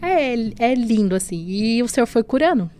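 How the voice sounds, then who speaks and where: A woman's voice: on the high side, big pitch swings, moderate pace, dark tone. Woman, emotional personal testimony, podcast studio, tag-question fillers. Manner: storytelling that acts out remembered dialogue. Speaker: guest sharing a faith testimony.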